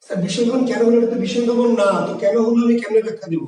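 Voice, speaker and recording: A man's voice: very high voice, fairly even intonation, racing, mellow, far from the mic. A male teacher giving an exam-prep grammar lecture, explaining patiently and asking his own questions, then answering them. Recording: echoey room, voice from afar.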